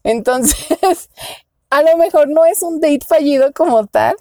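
A woman's voice: sits high, slow pace, dark tone, no echo, studio quality. A young woman with a Mexican accent tells a dating story in casual chat, laughing often and squealing when she quotes herself. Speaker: podcast co-host.

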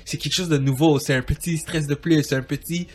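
A man's voice: a little high, steady tone, a little fast, a little mellow, soft background music. A man hosting a casual soccer interview, rambling with many restarts. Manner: rambling, many restarts and fillers, laughs often. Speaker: podcast host.

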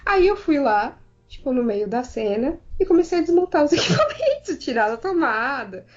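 A woman telling a story in casual chat, animated and acting out the dialogue. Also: sits high, moderate pace, dull audio.

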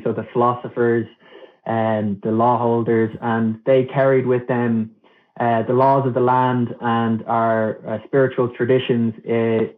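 Male interview guest, Irish accent. Earnest, halting explainer with level intonation, heard through tinny phone-like audio. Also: medium pitch. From Ireland. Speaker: podcast guest. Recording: thin phone-like band-limited audio.

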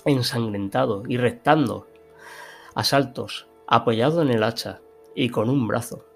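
A man's voice: medium pitch, unhurried, creaky, soft background music. A man playing a sinister narrator of a macabre horror tale, dramatic and ominous. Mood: grim, dramatic.

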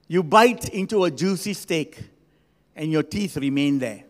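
Sixty-year-old pastor preaching in a reverberant hall. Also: male voice, on the high side, lively intonation, a little slow. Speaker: senior pastor. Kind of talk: sermon to a congregation.

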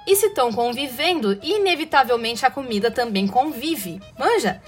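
A woman's voice: fairly high pitch, expressive, normal speed, soft background music. A woman from inland São Paulo state with a strong caipira accent, hosting a podcast in a chatty, playful way with sarcastic asides. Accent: Brazilian caipira, rolled-back R. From interior of São Paulo state, Brazil. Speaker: podcast host. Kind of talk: casual educational podcast monologue.

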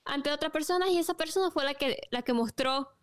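A woman in a casual Christian discussion, talking reflectively with frequent pauses and restarts. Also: high voice, no room sound, studio quality.

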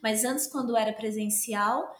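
A woman's voice: fairly high pitch, measured pace. Woman host, echoey room. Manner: friendly, prompting questions. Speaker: interviewer host. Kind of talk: casual interview chat.

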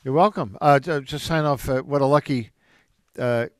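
A man's voice: medium pitch, moderate pace, no echo, clean studio sound. A man who is a jazz drummer and music teacher, answering interview questions in a reflective storytelling way with frequent restarts.

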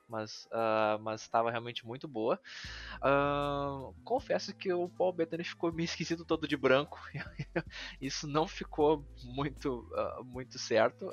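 A Brazilian man chatting casually on a podcast, often repeating words as he searches for his phrasing. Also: mid-range voice. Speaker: podcast co-host. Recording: dull lo-fi audio, music behind. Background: background music.

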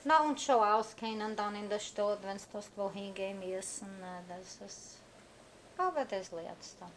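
A woman's voice: mid-range voice, moderate pace, poor audio. A woman, recalling things casually and repeating her phrases. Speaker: emigrant interviewee. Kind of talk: casual spoken recollection. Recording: faint room noise.

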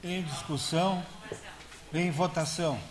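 A man's voice: on the high side, steady tone, measured pace. A man with a Brazilian accent chairing a council session, announcing votes in brief, firm phrases. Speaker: council president. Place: council chamber. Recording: echoey chamber audio.

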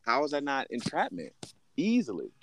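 A man chatting casually on a podcast in an excitable, slangy, swearing frat-bro manner. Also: mid-range voice, normal speed. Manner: excitable, animated.

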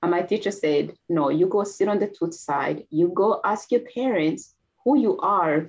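A middle-aged woman with a Rwandan accent, a guest telling her life story quickly and earnestly, with soft laughs. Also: lowish voice, animated, dull audio. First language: Kinyarwanda. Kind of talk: personal testimony interview.

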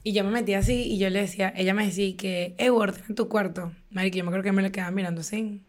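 A woman's voice: medium pitch, racing. A woman with a Venezuelan accent co-hosting a podcast, telling stories in casual chat and acting out the quoted dialogue. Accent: Venezuelan Spanish. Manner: animated storyteller who acts out quoted dialogue. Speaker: podcast co-host.

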